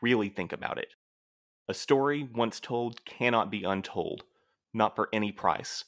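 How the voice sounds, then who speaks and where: A man playing a stern, theatrical, low-voiced postmaster. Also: a little slow, fairly bright tone. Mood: cold warning. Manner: dramatic, formal, commanding. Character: stern, dutiful, theatrical male postmaster of couriers. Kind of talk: audio drama acting.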